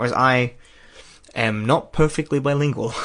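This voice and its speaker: The speaker has an Australian accent and fairly even intonation, with a quiet background. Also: man. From Australia, Nepalese family. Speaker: podcast co-host. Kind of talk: casual chat. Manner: halting.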